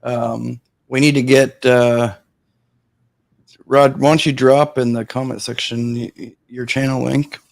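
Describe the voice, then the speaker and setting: Chill guy hosting a stream, kinda gravelly, dry close sound, lots of you know. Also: mid-range voice, flat delivery, unhurried, dry recording. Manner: laid-back and rambling, leans on "you know". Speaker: livestream host. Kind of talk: casual livestream chat.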